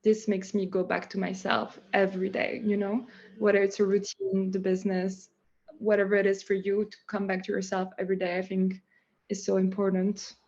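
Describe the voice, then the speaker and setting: A woman's voice: mid-range voice, normal speed, highs cut off. Young French-accented woman, chatty. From France. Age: young adult. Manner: chatty, many "like" fillers, animated. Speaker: guest, founder of a nut butter business. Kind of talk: casual interview chat.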